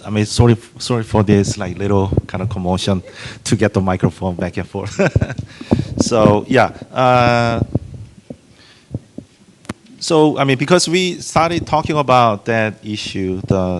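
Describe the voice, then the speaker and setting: A man's voice: on the low side, measured pace, noisy background. A man moderating a panel in a casual, loose way, full of fillers and brief laughs, handing the floor to a guest. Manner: casual and apologetic, laughs easily, uses many fillers.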